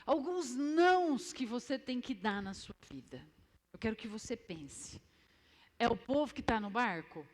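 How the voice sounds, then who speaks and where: A Brazilian woman preaching a lively youth sermon in a church hall, acting out scenes and quizzing the crowd. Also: fairly high pitch, a little slow. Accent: Brazilian Portuguese.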